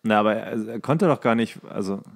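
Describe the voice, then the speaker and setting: A man's voice: fairly low pitch, fairly quick. A man co-hosting a podcast, chatting casually in slangy everyday speech. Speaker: podcast co-host.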